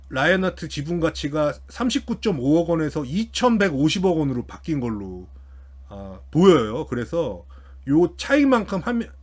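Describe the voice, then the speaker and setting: A man hosting a finance commentary, talking through an analysis unscripted and hesitantly, often repeating and restarting his phrases. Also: on the high side. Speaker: host of a finance commentary channel.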